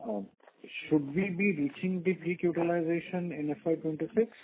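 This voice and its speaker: A man with an Indian accent asking questions as an analyst on an earnings call, speaking in a halting, hesitant way over a telephone line. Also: a little high, background noise. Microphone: telephone conference line. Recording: thin narrow phone line.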